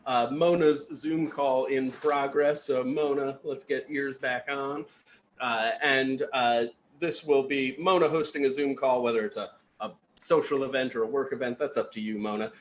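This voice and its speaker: A man hosting an improv show, casually and haltingly explaining a game to players. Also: medium pitch, steady tone. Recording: noisy video call audio.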